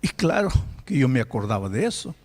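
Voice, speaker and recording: A male pastor telling a story in a sermon, emphatic and animated, often breaking off and restarting his words. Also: mid-range voice, brisk.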